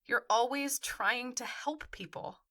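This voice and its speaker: A woman's voice: a little high, takes it slowly, bright, forceful tone. An actress playing a supportive, frank young woman in naturalistic audio drama dialogue. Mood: encouraging.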